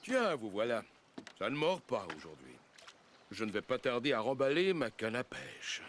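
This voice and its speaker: A man's voice: mid-range voice, big pitch swings, normal speed, fairly bright tone, slight background noise. An actor playing a good-humored older grandfather in a French cartoon dub, easygoing and chuckling. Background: background music.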